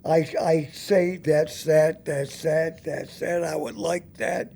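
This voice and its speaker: A man's voice: fairly high pitch, fairly even intonation, slow pace, creaky, mellow. An older man hosting a casual chat, speaking bluntly and repeating himself as he interjects. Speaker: talk show host.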